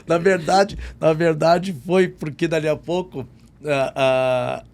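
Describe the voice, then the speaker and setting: A chatty man with a slightly high voice hosts a podcast interview. He was born in Jordan and raised in southern Brazil, and he talks casually, laughing often and correcting himself as he goes. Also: fairly even intonation, slow pace, a little mellow. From born in Jordan, raised in Rio Grande do Sul. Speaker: podcast host, law professor.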